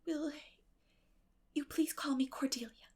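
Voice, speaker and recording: A woman voicing an eleven-year-old orphan girl, dramatic and imaginative, with a breathy, effusive, emotional delivery in a storybook reading. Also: high-pitched, unhurried, a little mellow, voice pushed up. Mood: eager pleading.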